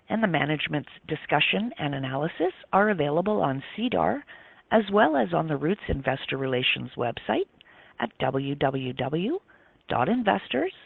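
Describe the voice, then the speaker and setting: Male call operator, formal scripted read, animated intonation, dry tinny telephone sound. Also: on the high side, creaky, slightly rough, dry recording. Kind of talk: scripted corporate announcement. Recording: narrow tinny phone line.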